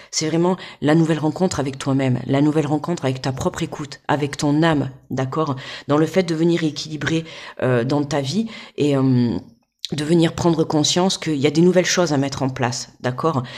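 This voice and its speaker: A woman's voice: low-pitched, steady tone, moderate pace, a little mellow. A woman giving a casual tarot guidance reading to the viewer in a chatty, informal way, often checking in with the listener. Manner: chatty, keeps checking in with "d'accord?" and "tu vois"; informal, speaks directly to the listener. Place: home desk.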